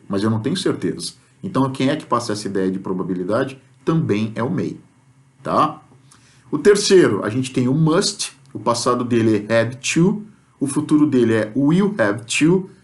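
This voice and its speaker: A Brazilian man teaching an English class in Portuguese, explaining step by step and acting out example sentences, often checking in with "tá?". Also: mid-range voice. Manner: explanatory, frequent "tá?" check-ins; lively, acts out example sentences. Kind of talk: recorded remote class lesson.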